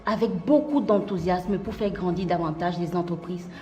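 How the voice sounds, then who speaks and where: A woman playing a composed new company head in a TV drama, with a formal, measured way of talking. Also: on the low side, a little mellow, faint music behind, lightly acted. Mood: grateful, formal. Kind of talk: TV drama acting.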